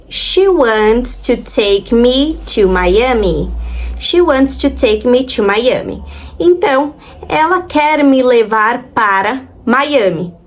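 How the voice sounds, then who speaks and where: Brazilian woman teaching English grammar. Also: a little high. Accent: Brazilian Portuguese. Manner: slow, drawn-out model sentences with repetition, frequent "certo?" checks. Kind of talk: online English grammar lesson.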